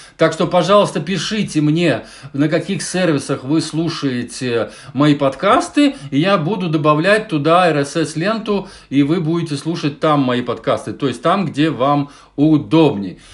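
Ordinary pitch variation marks this fairly slow speech. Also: man, fairly high pitch for a man. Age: 60s. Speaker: podcaster. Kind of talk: casual podcast monologue. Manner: halting with fillers.

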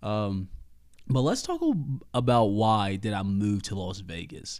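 A man with an Alabama accent speaks with lively intonation. The recording is very clean, the background silent. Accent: Southern US (Alabama). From US South, Alabama. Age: 20s. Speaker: podcast host. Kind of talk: casual solo podcast monologue. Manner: fast; animated.

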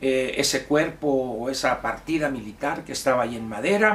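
A man talks at a fairly slow pace with lively intonation. Noticeable background noise can be heard. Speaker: political commentator, former activist. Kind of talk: video monologue on history. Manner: halting, frequent fillers and repetitions.

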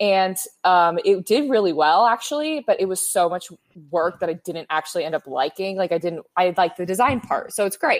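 With a Californian accent, a woman talks at a fairly quick pace in a medium pitch. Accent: Californian American. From US, San Francisco Bay Area. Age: 20s. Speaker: digital designer. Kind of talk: casual interview chat.

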